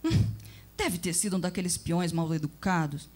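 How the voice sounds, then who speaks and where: A woman's voice: fairly low pitch, lively intonation, moderate pace, darkish tone. A woman voicing a worried elderly mother who frets and scolds her daughter. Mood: fretful scolding. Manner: fretful, scolding.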